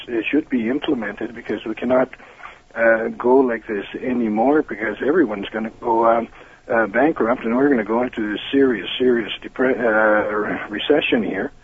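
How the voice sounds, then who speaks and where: A man with a Toronto accent calling in to a radio show, talking earnestly with many "uh"s and pauses. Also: medium pitch, big pitch swings, gravelly. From Toronto, Canada. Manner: earnest, halting, many fillers. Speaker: caller. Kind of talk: call-in phone chat. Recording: tinny phone line.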